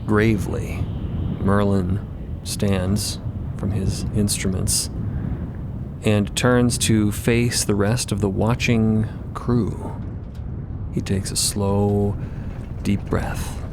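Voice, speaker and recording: A man's voice: on the low side, flat delivery, extremely slow, vocal fry, pauses often, background noise. A man giving dramatic scripted narration for a fiction podcast. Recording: voice over prominent music. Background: music.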